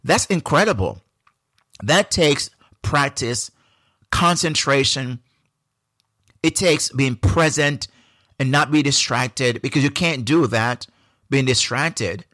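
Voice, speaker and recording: Jamaican guy doing a solo podcast, thoughtful and slow, restarts a lot, mid voice, dry close mic. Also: mid-range voice, sharp tone, dry recording. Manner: reflective, unhurried, frequent restarts. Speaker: podcast host.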